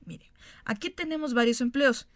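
A woman's voice: high-pitched, normal speed, dry recording, natural voice. A woman playing a prim young job clerk in a radio comedy sketch, speaking formally and patiently setting the applicant straight. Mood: exasperated.

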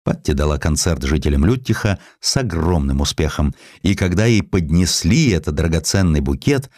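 Deep-voiced, animated male storyteller. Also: normal speed, dry recording, studio quality. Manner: expressive, theatrical storytelling. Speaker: audiobook narrator. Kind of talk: dramatic scripted narration of historical sketches.

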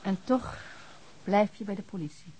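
A woman playing a policeman's intimate, quietly probing lover in a radio drama, speaking softly in terse questions. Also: mid-range voice, moderate pace, slight background noise, close to an everyday voice, low-quality recording. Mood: probing, doubtful. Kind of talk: naturalistic Dutch radio drama acting.

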